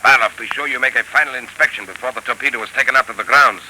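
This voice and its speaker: Gloating villain professor. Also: male voice, medium pitch, rapid-fire, sharp tone, low-quality recording. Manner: commanding, gloating, dramatic. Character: scheming male professor villain, arrogant, plotting. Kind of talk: 1930s radio drama acting. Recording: hissy old 1930s radio broadcast.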